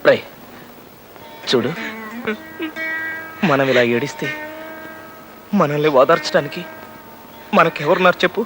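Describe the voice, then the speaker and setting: A man's voice: a little high, measured pace, long pauses, music in the background, close to an everyday voice, rough recording. Man playing a remorseful consoling elder brother. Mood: tender. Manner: tender, consoling. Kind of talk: emotional film dialogue.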